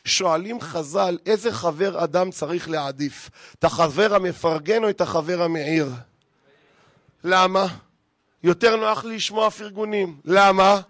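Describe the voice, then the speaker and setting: Male rabbi, fairly high voice, dry close sound, preaches with humor and rhetorical questions. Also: no echo. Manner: lively and joking, firing rhetorical questions at the audience. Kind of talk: humorous sermon to a live congregation.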